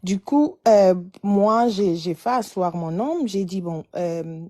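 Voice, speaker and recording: This woman, late twenties, speaks slowly and expressively in a warm, medium-pitched voice as she calls in for advice. She keeps stopping and restarting as she hesitantly tells her story.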